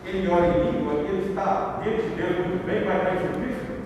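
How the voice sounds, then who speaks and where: A man's voice: high-pitched, fairly even intonation, quick pace, darkish tone. A man from the congregation asking probing questions during a church Bible study. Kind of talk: question from the floor. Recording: distant voice in echoey hall.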